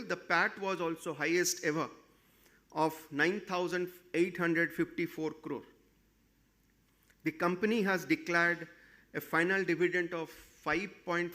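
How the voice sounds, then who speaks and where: A man with an Indian accent, a company executive giving a formal prepared results presentation in measured, halting phrases. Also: a little high, sharp tone.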